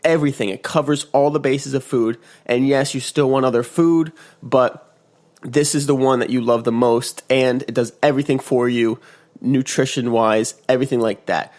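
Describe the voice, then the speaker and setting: A man hosting a casual motivational podcast, just woken up and congested, rambling with restarts and acting out quotes in a higher voice. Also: steady tone, normal speed, darkish tone. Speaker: podcast host. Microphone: podcast mic.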